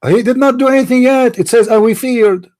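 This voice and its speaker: A debate host, an Arabic-speaking man from the Middle East, runs a heated religious debate in a very high, darkish voice at a slightly quick clip. He is combative and mocking, hammering his opponent with the same taunting questions again and again.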